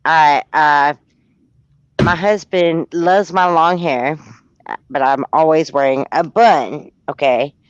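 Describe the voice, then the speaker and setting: Chatty woman, smooth dry voice. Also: deep voice, takes it slowly, dry recording. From Texas. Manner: chatty, rambling with restarts and laughter. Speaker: caller on a livestream. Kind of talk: casual chat. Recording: muffled lo-fi stream audio.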